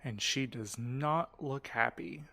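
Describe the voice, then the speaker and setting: A man's voice: mid-range voice, takes it slowly, gravelly, bright, forceful tone, full character voice. A man acting in an audio drama as a cautious, exasperated and sardonic young sleuth with a wry, insistent manner.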